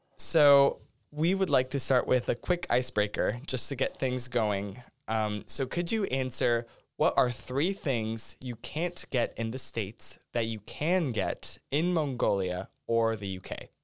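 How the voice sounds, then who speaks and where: A man with a normal speaking voice at a medium pitch, lively intonation and a fairly slow pace, on a very clean recording with a silent background. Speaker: student podcast host. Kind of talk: casual interview.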